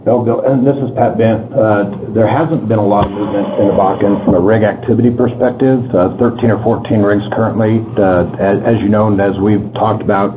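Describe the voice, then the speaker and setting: A man's voice: on the low side, fairly even intonation, brisk, hardly any pauses. A man speaking as a company executive, giving a matter-of-fact answer on a conference call. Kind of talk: unscripted earnings call answer. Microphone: conference phone line. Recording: noisy, dull conference call line.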